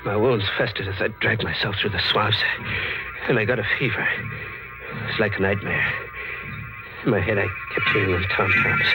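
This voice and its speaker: Actor as haunted American fugitive, old radio horror. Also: male voice, fairly low pitch, natural voice, low-quality recording. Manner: terse, dramatic delivery in short clipped sentences. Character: wounded, feverish, haunted man on the run. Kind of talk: 1940s American radio horror acting, first-person narration. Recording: old radio recording with music behind. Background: music.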